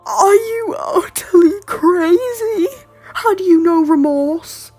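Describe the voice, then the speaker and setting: A woman playing an embittered, despairing young king in an audio drama, brooding and wounded, with a soft, breathy voice. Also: very high voice, expressive, slow pace, dry recording, faint music behind, full character voice. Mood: anguished outburst. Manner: brooding, swings between muted and outbursts. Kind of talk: audio drama acting of a Shakespeare-style story.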